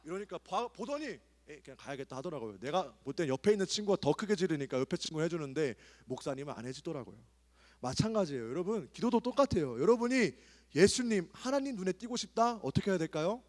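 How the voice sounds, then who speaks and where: A man in his thirties preaches to young people in a large church hall, his fairly high voice climbing and dropping with lively swings. He shifts between quiet asides and loud urgent calls to prayer. The room rings with long reverb. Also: fast. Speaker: pastor. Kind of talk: sermon at a youth retreat.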